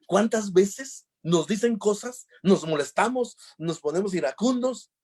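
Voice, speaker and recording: A husky, somewhat mellow man with a voice on the high side talks at a conference about emotional intelligence. He weaves in jokey anecdotes, playing out the dialogues himself.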